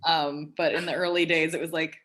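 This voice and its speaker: A woman's voice: deep voice, little pitch movement, fairly quick, fairly bright tone. A woman chatting casually as a participant in an online group call. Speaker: virtual table read participant. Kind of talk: casual chat. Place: remote online video call.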